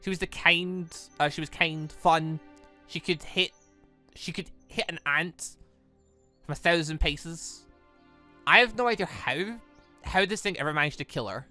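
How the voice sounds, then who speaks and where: A man's voice: fairly high pitch, measured pace, long pauses, sharp tone, soft background music. A man voicing a grieving, stubborn young huntress in a visual novel, emotional and insistent.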